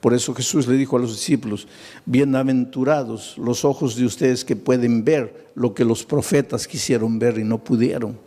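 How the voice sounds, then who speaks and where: A man's voice: medium pitch, fairly even intonation, normal speed, dark tone. A man preaching a sermon, telling a Bible story with acted-out dialogue and rhetorical questions to his listeners. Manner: dramatic storytelling, acting out biblical dialogue; asks the audience rhetorical questions.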